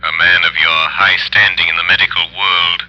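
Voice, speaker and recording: An actor playing a mysterious male crime-fighter who speaks in a calm, deliberate and faintly mocking way, in 1930s radio drama style. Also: low voice. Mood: cool, commanding. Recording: dull old radio recording.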